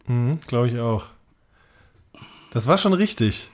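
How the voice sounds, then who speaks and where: A man's voice: medium pitch, expressive, takes it slowly. A man chatting casually as a podcast co-host, often repeating short words of agreement. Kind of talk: casual chat.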